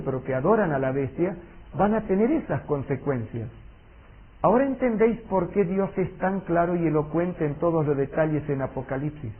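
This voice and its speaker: A man teaching a Bible seminar, earnest and emphatic, slowing down for solemn warnings. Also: fairly high pitch, breathy edge. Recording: tinny lo-fi audio recording.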